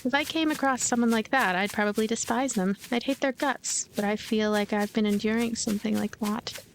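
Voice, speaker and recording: A woman reading a game's story aloud as a let's play host, with expressive narration and casual asides. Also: a little high, a little fast, a little hiss or hum, low-quality recording. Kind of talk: voiced narration with casual commentary.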